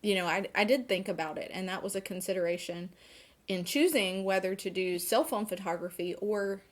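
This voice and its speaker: A woman's voice: mid-range voice, brisk. A woman aged forty, a photography instructor, answering interview questions conversationally and hesitantly, thinking aloud.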